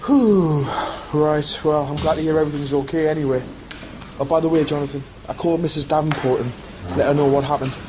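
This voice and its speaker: An actor playing an excitable, folksy, easily rattled male colleague with blustery exclamations in an audio drama. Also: a little high, brisk, background noise, natural voice. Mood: relieved.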